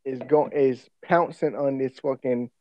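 A man's voice: medium pitch, fairly even intonation, no room sound, highs cut off. A man with an African American English accent chatting casually as a podcast co-host, telling stories in profane slang. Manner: slangy, profane, quick to laugh. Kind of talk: casual chat, personal storytelling.

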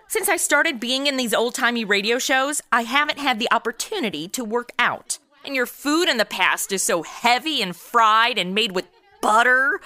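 A woman's voice: on the high side, dry recording. A woman playing a flippant, slangy modern young woman in her twenties in a comedy audio drama. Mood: indignant, flustered. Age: 20s. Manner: flippant, expressive. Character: sassy, slangy modern twenty-something woman turned detective.

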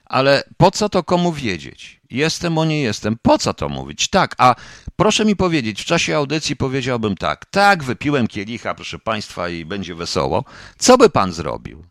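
A man's voice: medium pitch, very animated, moderate pace, fairly bright tone, dry recording, clean studio sound. A middle-aged man hosting a live online broadcast, reading chat comments aloud and challenging them with repeated pointed questions and the odd curse.

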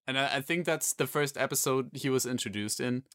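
Male podcast co-host, casual chat, mid-pitched, calm and fair-minded. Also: brisk, no room sound, clean studio sound.

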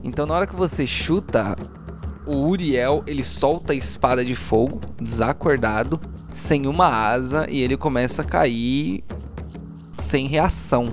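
A Brazilian man acts as game master with a mid-pitched voice. He improvises vivid, step-by-step narration and checks in with his players, with music playing underneath. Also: moderate pace.

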